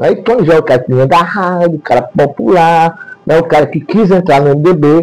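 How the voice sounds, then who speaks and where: Through noticeable background noise comes a man's high-pitched voice. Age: 60s. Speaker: political commentator. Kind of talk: interview. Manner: halting, many repetitions.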